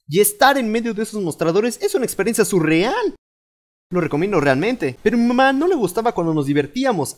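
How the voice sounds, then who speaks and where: A young man with a Latin American Spanish accent narrating a comedic cartoon storytime with an animated, playful delivery. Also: high-pitched. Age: young adult. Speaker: fandub narrator.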